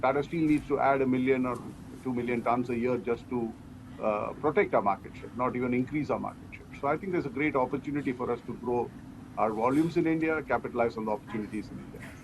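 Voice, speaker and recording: Man answering questions over clear background noise. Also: medium pitch, quick pace. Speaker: steel company executive. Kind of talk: earnings interview answers.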